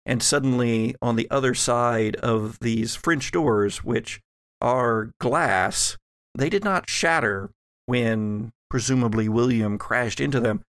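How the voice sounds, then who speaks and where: A man runs a tabletop horror game, improvising his narration as he goes. His phrasing is deliberate and slow, with gravelly fry in the voice. The sound is dry, with very little room in it. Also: mid-range voice, a bit bright, dry recording. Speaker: game master.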